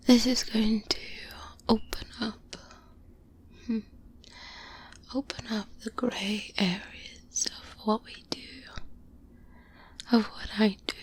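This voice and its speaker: A woman on the high side uses a full character voice as a seasoned, calm, cautious vampire hunter guiding a trainee in ASMR roleplay, earnest and reassuring. Her breathy whispers are slow and hesitant, broken by murmured pauses and hums. A close binaural mic captures it up close, with clear background noise.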